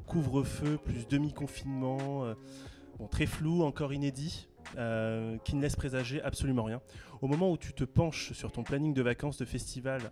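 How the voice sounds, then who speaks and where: A man hosting a casual radio chat show, relaxed and hesitant, with many fillers. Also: medium pitch. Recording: music playing faintly behind.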